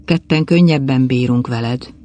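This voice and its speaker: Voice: mid-range voice, mellow, lightly acted. A reader playing a weary, remorseful mercenary. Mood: encouraging. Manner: hoarse, groaning delivery.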